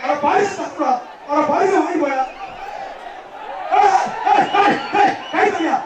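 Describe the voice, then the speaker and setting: A man announcing a bull-taming event through a loudspeaker PA, shouting cheers and prize lists. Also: extremely high pitch, measured pace, dull audio, background noise. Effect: through a loudspeaker PA system. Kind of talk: live bull-taming commentary. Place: outdoor arena. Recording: echoey loudspeaker from far off, crowd behind. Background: loud cheering crowd.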